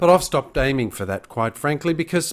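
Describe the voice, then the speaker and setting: With an Australian accent, a man speaks at a fairly high pitch with lively intonation. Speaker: behavioural optometrist. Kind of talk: webinar presentation.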